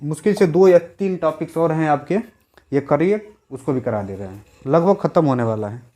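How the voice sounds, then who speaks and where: A man's voice: on the high side, animated, moderate pace, warm tone. A young adult male teacher giving an exam-prep lecture, repeating key words and putting rhetorical questions to his students.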